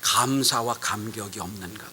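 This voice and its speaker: A man delivers a sermon as a pastor, in a bright, forceful voice. He tells a story with dramatic swings, rising suddenly loud for emphasis and dropping to hushed asides. A faint hiss and hum sit beneath the recording. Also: fairly low pitch, moderate pace, poor audio.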